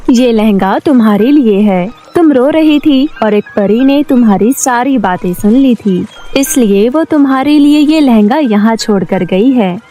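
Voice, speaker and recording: Woman as high-voiced magical talking garment. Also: lively intonation, measured pace, hardly any pauses, dark tone. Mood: kindly, reassuring. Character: gentle magical talking skirt, generous wish-granter. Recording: music bed behind the voice.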